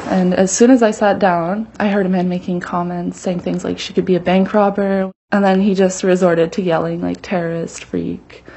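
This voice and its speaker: A woman's voice: lowish voice, flat delivery, normal speed, gravelly, hardly any pauses, dark tone, a little hiss or hum, rough recording. A woman in her twenties recounting her experience in a news interview, casual with fillers like "like". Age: 20s.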